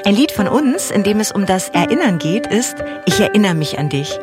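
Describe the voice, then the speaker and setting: A woman hosting a radio talk show for kids, chatting in a lively, casual way and laughing easily. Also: medium pitch, moderate pace, over music. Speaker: radio show host and band member.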